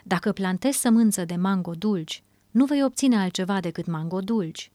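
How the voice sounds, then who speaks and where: A woman delivers a spiritual talk in a measured, emphatic voice-over and repeats her key phrases for weight. The sound is dry and close, with no room around it, and her pitch stays in an ordinary middle range. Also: mellow, no echo. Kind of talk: dubbed sermon.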